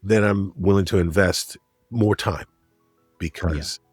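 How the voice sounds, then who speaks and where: A man with a low, husky voice talks through his points in an interview. He explains with examples and rhetorical questions, in a close, dry recording with faint music underneath. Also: takes it slowly, no room sound. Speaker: guest, media critic and broadcaster. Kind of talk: conversational interview, giving advice.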